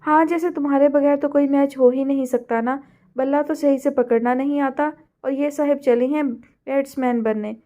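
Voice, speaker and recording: A woman voicing a feisty, quarrelsome teenage girl in a storybook reading, with bickering, quick retorts. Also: high voice, steady tone, dark tone, natural voice.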